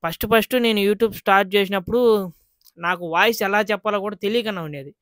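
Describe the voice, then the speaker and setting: A man's voice: sits high, fast, fairly bright tone, no echo, studio quality. A man vlogging in a casual, earnest way, chatting straight to his viewers.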